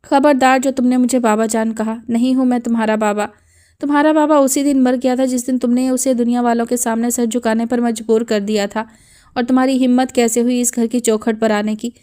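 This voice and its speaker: A woman's voice: fairly high pitch, fairly even intonation, a little mellow, natural voice. A woman voicing a stern, unforgiving old grandfather who scolds harshly in an audiobook. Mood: furious.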